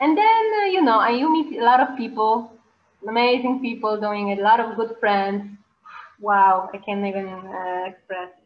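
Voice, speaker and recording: With a Polish accent, a woman speaks at a moderate pace in a fairly high pitch with ordinary pitch variation. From Poland. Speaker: actress and filmmaker. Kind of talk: casual interview. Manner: talkative.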